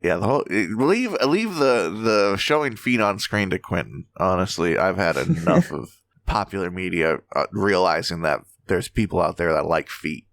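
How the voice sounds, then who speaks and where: A man co-hosting a casual podcast, his fairly low voice swinging up and down with a lot of life. He jokes and swears freely. The sound is dry and close. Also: moderate pace, vocal fry, no room sound. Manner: animated, joking, swears freely. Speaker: podcast co-host. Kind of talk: casual comedic chat.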